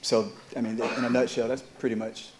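A man's voice: mid-range voice, flat delivery, fairly quick, noisy background. A man in his thirties, an honored alumnus who works at a charter school, answering onstage interview questions earnestly with many fillers and restarts, on a handheld mic in a university hall. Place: university event hall with audience.

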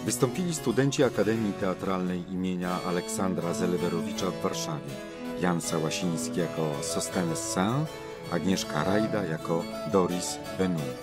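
A man's voice: low voice, moderate pace, over loud music. A man reading scripted credits as a radio announcer.

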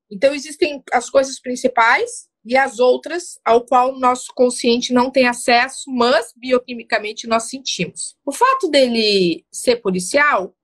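A woman's voice: a little high, fairly bright tone. A woman relationship coach giving firm, assertive advice to a caller, often checking in with short asides. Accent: Brazilian Portuguese.

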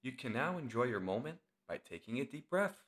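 A man narrates a guided meditation in the role of instructor. He delivers short, measured phrases and leaves long gaps between them. His intonation moves freely up and down across a wide range. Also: mid-range voice, big pitch swings, a bit bright.

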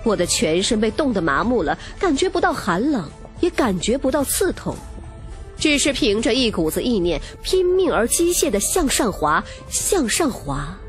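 A woman's voice: fairly high pitch, very animated, moderate pace. A woman reading a romance novel as dramatic, scripted first-person narration. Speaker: audiobook narrator. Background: music.

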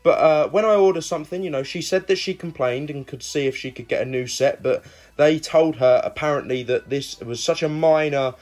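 A man's voice: on the high side, fairly quick, darkish tone. A young man giving a casual, conversational product review, talking directly to his viewers. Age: young adult. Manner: conversational, addresses viewers as guys. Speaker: video reviewer and host.

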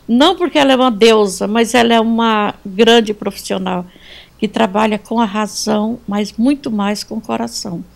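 Earnest woman with a gravelly voice. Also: on the high side, normal speed. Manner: earnest, sprinkles in religious phrases. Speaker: atelier owner, guest. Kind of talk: heartfelt speech of thanks. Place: indoor atelier.

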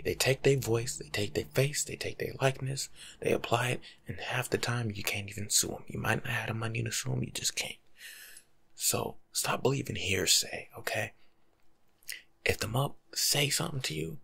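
A young American man giving rambling, slangy ASMR life advice in a hushed, breathy voice, playful and animated, close to the mic in a room at home. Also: medium pitch, normal speed. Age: young adult. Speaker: ASMR video creator. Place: small indoor room at home.

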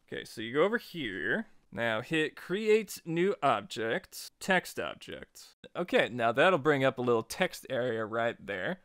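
Clear-voiced man giving a casual tutorial. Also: medium pitch, a bit bright, no echo, studio quality. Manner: chatty, informal step-by-step instructing. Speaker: tutorial host. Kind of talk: casual software tutorial narration.

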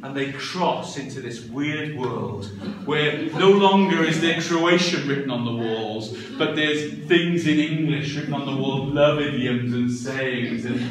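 A man in his fifties giving a live talk as a storyteller and teacher trainer, with an animated, theatrical, emphatic delivery. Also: mid-range voice, a little slow, a crowd in the background. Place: medium-sized classroom, indoors. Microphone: distant camera microphone. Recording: echoey room, far microphone, background noise.

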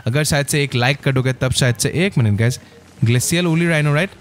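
A man hosting his gaming channel, giving excitable gameplay commentary and calling out to his viewers constantly. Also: mid-range voice, brisk, a little hiss or hum. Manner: excitable, keeps saying "guys".

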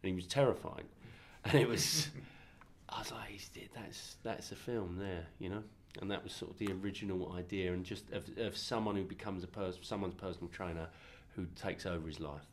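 A man's voice: low voice, a little fast. A man with a stuffy cold, rambling and restarting as a filmmaker in a festival press-room interview, speaking into a handheld mic. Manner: rambling, many restarts and laughs. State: congested from a cold. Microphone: handheld mic held by interviewer.

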